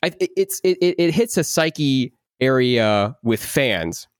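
A man in his twenties, a voice actor, chatting in an interview, animated and repeating words as he acts out quotes. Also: mid-range voice, measured pace, clean tone, dry recording, clean studio sound. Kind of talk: casual interview chat.

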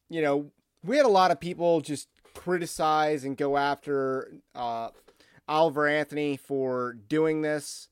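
A man giving informal opinion commentary as a channel host, speaking in a halting, hesitant way. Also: a little high, smooth, no room sound, clean studio sound.

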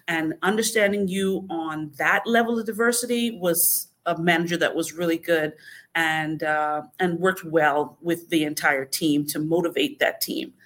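A woman from the Bahamas, a podcast guest, answering interview questions in a measured, explanatory way with frequent fillers. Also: lowish voice, fairly bright tone.

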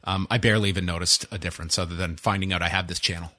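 A man's voice: deep voice, fairly even intonation, very fast, bright, forceful tone, dry recording. A man from Canada co-hosting a podcast, chatting casually with dry, sarcastic humor. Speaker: podcast co-host. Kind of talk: casual chat.

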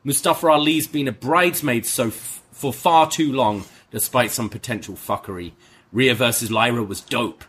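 Bright, husky-voiced podcast co-host man. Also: mid-range voice, normal speed. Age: 30s. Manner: joking, playful banter. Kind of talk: casual podcast chat.

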